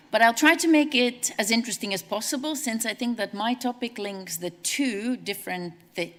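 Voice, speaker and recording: A woman's voice: fairly low pitch, fairly bright tone. Woman speaking in a hall. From Latvia. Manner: brisk, conversational, with asides. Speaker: conference speaker, CEO. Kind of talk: conference presentation. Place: large conference hall. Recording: long hall reverb.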